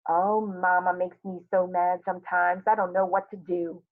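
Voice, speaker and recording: A woman's voice: mid-range voice, very animated, moderate pace, phone-quality sound. Woman playing stern, tired, loving young mother. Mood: teasing. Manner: scolding, dry, clipped commands.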